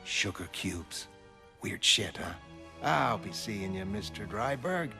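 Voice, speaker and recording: A man's voice: lowish voice, lively intonation, slow pace, vocal fry, exaggerated voice. A man voicing a cynical police detective who talks in a dry, streetwise way, over music. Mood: needling. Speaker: motion comic voice actor. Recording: music underneath.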